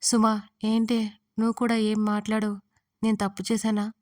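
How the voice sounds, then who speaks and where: A woman's voice: a little high, level tone, fairly quick, darkish tone, no room sound, studio quality, distant mic, lightly acted. A woman voicing a timid young woman in an audio story, speaking in a faltering, tearful way.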